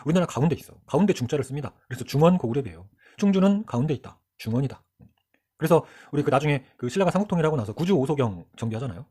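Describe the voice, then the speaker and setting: A man's voice: medium pitch, a little mellow, slightly rough. A man in his forties with a light North Jeolla Korean accent, giving a rambling, joking history lesson. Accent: light North Jeolla Korean accent with Chungcheong features. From Jeolla region of South Korea. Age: 40s. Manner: rambling, joking, self-mocking asides. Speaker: history teacher. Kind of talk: casual lecture.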